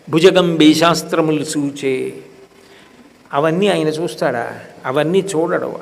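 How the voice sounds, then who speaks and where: A man's voice: fairly high pitch, a bit bright, long reverb tail. A man giving a devotional discourse who tells stories with quoted dialogue and chants Sanskrit verses. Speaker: spiritual discourse speaker.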